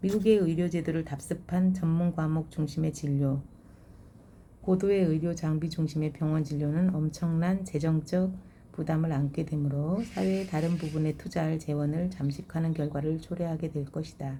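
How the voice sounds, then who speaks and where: Speaking at a moderate pace, a woman has a very deep, low pitch and a dark, mellow, somewhat breathy tone with ordinary pitch variation. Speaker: book reader on own channel. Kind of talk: reading aloud; casual chat. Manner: occasional stumbles in pronunciation.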